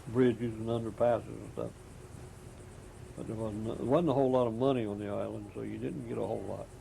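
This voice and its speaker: A man talks very fast in an American accent, with big swings in loudness and long, frequent pauses. Room echo is audible. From Outer Banks, North Carolina. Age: 70s. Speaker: commercial fisherman. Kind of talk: oral history interview.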